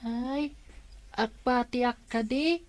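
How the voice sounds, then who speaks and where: A woman's voice: a little high, extremely slow. A woman voicing a small, curious child in a radio drama, with childlike questioning. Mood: curious, clingy.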